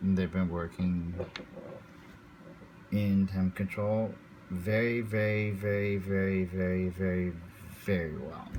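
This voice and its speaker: Over noticeable background noise, a man speaks very slowly in a very deep, low voice. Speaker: vaping product reviewer. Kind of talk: casual monologue to camera. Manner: halting with many ums and uhs.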